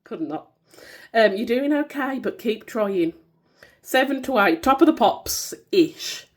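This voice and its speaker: Female, Black Country accent, highish voice, stuffy with a cold and nasal; informal, chatty product walkthrough. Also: lively intonation, slow pace. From Black Country, England. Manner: informal, self-deprecating, given to singing bits. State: bunged up with a cold. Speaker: small-business content creator showing her products.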